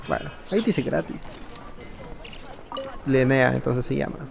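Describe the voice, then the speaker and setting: Man, mid-pitched, gravelly, casual let's-play chatter, soft game music behind. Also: moderate pace. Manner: laid-back, chuckling, slangy asides. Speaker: gamer doing a let's play. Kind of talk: casual gameplay commentary.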